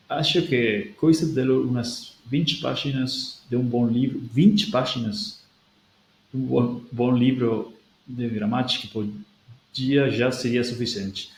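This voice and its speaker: Gravelly-voiced man in an echoey room. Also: mid-range voice. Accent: non-native speaker of Portuguese, European Portuguese leaning. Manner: thinks aloud with restarts, switches into Portuguese. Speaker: language-learning video host. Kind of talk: casual talk, reading out and answering a viewer comment. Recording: echoey room with faint background noise.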